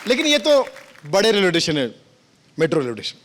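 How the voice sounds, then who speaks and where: A man performing a stand-up comedy routine, animated and switching between mimicked voices. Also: high voice, fast talker. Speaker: comedian guest.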